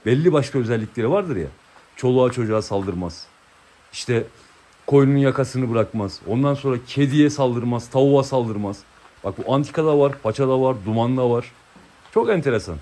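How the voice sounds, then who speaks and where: A man's voice: mid-range voice, a little fast, mellow. A man chatting to viewers in a vlog, coaxing his dog affectionately and explaining outdoors. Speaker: vlogger with his dogs. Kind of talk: casual vlog chat to viewers.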